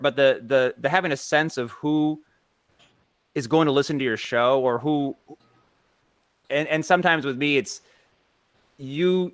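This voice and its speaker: A man presents informally on a panel in a clear, smooth voice of medium pitch. He is halting, often rephrasing as he thinks aloud. The sound is close and dry. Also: a bit bright, no room sound. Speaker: panelist and podcast creator.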